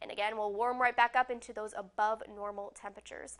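A woman is speaking. Her pitch is fairly high and her pace fairly quick. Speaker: TV weather forecaster. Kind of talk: local TV morning weather report, upbeat scripted-ish delivery walking through maps. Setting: TV studio. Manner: bright, cheerful morning-show tone with friendly emphasis; steady conversational pace, many 'so' connectors and occasional 'um' fillers. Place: studio. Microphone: lapel.

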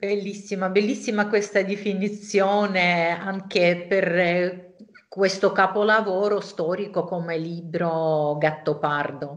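The speaker has a Russian accent and talks at a very slow pace. Intonation is fairly even, and the background is quiet. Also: woman. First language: Russian (speaking Italian). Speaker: cultural association president; interviewer. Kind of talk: interview; interview question. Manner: halting. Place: home room. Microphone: video call.

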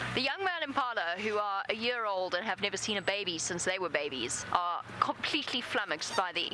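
Over noticeable background noise, a woman speaks at a moderate pace in a dry sound with no echo. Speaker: safari guide, presenter. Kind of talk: live commentary. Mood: cheerful, amused. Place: car.

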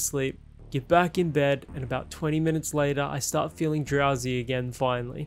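With music playing behind him, a man speaks at a fairly quick pace in an Australian accent, his fairly high voice keeping a fairly even intonation. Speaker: horror story narrator. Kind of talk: horror story narration. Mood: spooky, comic, expressive. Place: home room.

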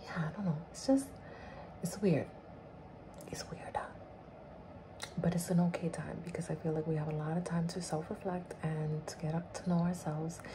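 A soft-spoken woman with a fairly low pitch talks in a relaxed tone with fairly even intonation and long, frequent pauses over noticeable background noise. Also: moderate pace. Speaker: vlogger. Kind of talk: casual vlog chat. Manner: soft-spoken, relaxed ASMR voice. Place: home room. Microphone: phone near.

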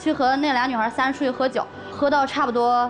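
Clear music plays in the background as a woman with a high pitch speaks at a moderate pace. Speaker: guest. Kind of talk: talk show account of a relationship conflict. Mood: aggrieved, complaining. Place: stage. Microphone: headset.

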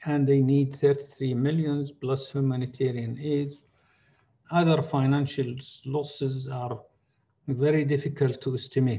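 A man's dark, mellow, somewhat breathy voice with an Arabic accent, flat and monotone in intonation. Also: fairly slow pace. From Palestine. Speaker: psychiatrist; guest. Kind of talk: lecture. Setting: video call. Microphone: video call.

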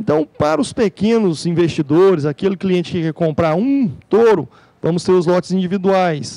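The tone is dark and mellow, with ordinary pitch variation at a moderate pace. The sound is dry and close with no echo. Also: man, high pitch for a man. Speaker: ranch company manager. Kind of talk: promotional interview. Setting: remote live link.

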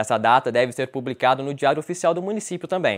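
This man has a fairly high pitch and a plain, everyday voice. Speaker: news presenter. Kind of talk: formal local TV newsreading, scripted. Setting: studio. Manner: formal, measured, even-paced; neutral, steady delivery.

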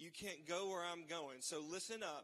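Against a quiet background, a man speaks at a moderate pace with a bright, sharp tone. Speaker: pastor. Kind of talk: sermon. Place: church. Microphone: handheld.

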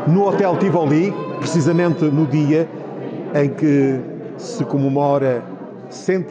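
With noticeable background noise behind him, a man talks at a fairly high pitch. He uses ordinary pitch variation and takes long, frequent pauses. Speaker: reporter / news presenter. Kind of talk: news report voice-over. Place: hall.

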